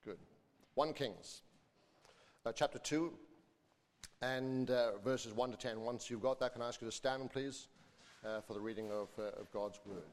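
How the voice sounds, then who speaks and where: Man, preacher, mid-range pitch, sermon and Bible reading delivery, large echoey church hall. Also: unhurried, long pauses. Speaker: preacher and school teacher. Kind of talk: informal sermon, congregation quiz and scripture reading. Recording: echoey hall with long reverb.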